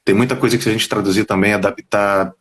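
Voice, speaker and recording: A man, a voice actor telling stories in a casual interview over a video call. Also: on the low side. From Brazil. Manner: quick, animated storyteller, drops into quoted voices. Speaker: voice actor guest. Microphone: headphones on a video call.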